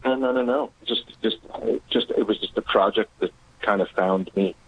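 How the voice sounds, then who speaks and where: Low husky guy calling in, thoughtful, tinny phone line sound. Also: a little hiss or hum. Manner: thoughtful, reflective, halting. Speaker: caller. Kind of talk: call-in phone conversation.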